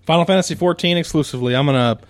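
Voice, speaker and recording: A man's voice: fairly high pitch, racing, dry recording. Wry podcast man, dry sound. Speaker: podcast co-host. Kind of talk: casual chat.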